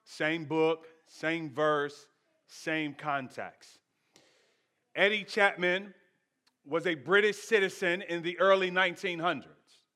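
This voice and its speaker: Guy preaching a sermon, high voice, forceful and bright, pauses between short phrases. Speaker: pastor preaching. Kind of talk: sermon with storytelling.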